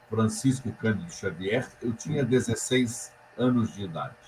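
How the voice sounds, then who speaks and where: Noticeable background noise runs beneath a man's voice. He speaks fairly slowly at a medium pitch, with ordinary pitch variation. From Brazil, São Paulo state interior. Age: 70s. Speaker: spiritist writer and speaker. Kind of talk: interview storytelling.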